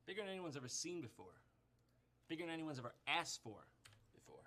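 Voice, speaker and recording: A man narrating a scripted comedy mockumentary in a deadpan, boastful way that swings into loud outbursts. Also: a little high, fast, slight background noise. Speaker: comedic host of a mockumentary video. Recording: music bed under the voice.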